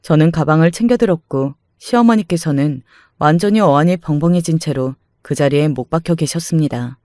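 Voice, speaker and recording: A woman's voice: low voice, a little fast, warm tone, dry recording, clean studio sound. A woman reading a scripted first-person story as a dramatic narrator.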